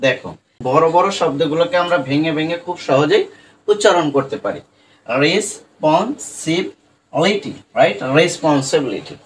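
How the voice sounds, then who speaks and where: A man teaching English pronunciation in an online lesson, patiently breaking long words into parts and repeating them slowly. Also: on the high side, animated, slight background noise, rough recording.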